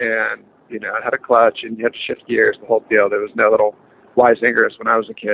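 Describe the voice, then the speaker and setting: In a Californian accent, a man speaks at a very fast pace. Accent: General American (Californian). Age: 40s. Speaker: stunt performer and former motocross racer. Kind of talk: interview. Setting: phone call.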